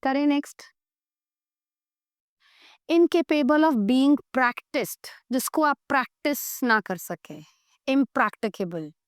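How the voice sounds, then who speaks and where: A woman with an Indian accent runs a classroom vocabulary lesson, explaining in Hindi and reading each English definition out slowly before quizzing her students. Her voice is smooth and fairly high, and it sounds dry and close to the mic. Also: animated, no echo. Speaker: English teacher.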